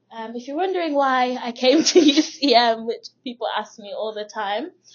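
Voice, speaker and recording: Talking at a moderate pace, a woman with a Liverpool accent has a high pitch and big swings in loudness. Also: ordinary pitch variation. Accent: Liverpool (Scouse) English. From Liverpool, England. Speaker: international exchange student. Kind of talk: podcast interview answer. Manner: casual, conversational.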